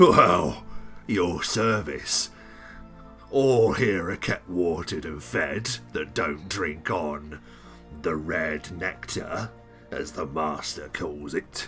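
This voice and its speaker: A man's put-on character voice, raspy and very deep, at a very slow pace with long, frequent pauses and clear music in the background. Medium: actual play. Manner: folksy, casual.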